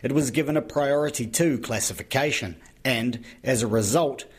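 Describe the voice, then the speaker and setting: A man, a court reporter giving an even, scripted news report. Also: mid-range voice, normal speed, breathy edge.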